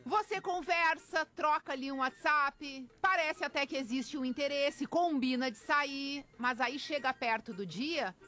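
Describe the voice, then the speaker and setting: A woman's voice: high-pitched, pushed and bright. A woman, co-hosting a radio talk show, reading out a listener's letter and bantering with the others. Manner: reads listener letters slowly, then banters. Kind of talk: casual radio chat.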